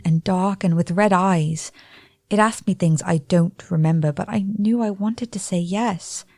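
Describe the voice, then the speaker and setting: An actress playing a frail young woman who sleepwalks, speaking softly in formal period English in a radio play. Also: mid-range voice, no room sound, studio quality, close to an everyday voice. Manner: soft, earnest, period-formal speech.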